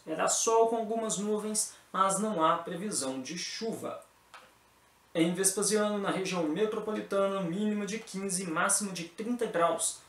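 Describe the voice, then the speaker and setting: Young Brazilian man reading news, echoey. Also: high-pitched. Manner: even, formal anchor delivery. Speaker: news presenter. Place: small room with bookshelves, seated at a desk. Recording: roomy echo with faint music behind.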